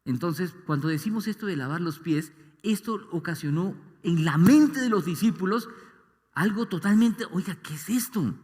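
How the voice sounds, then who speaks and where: A man preaching a sermon, animated and asking his listeners rhetorical questions. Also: high voice, normal speed, in a large hall. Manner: animated, asks the congregation questions, mimics voices. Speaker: pastor. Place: large church hall.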